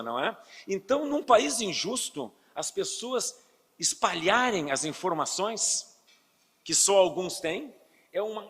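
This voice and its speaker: A man's voice: high-pitched, a bit bright, breathy edge. A man in his sixties from Brazil with a Southern Brazilian accent, giving an earnest public health lecture as a physician and explaining with rhetorical questions. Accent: Southern Brazilian Portuguese. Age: 60s. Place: lecture hall. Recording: hall reverb.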